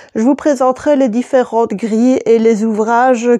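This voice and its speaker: A woman with a slight Belgian accent speaks at a high pitch in a dark, mellow tone. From Belgium, Liège region. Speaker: crafts YouTuber. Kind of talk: casual video introduction. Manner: hesitant, frequent fillers.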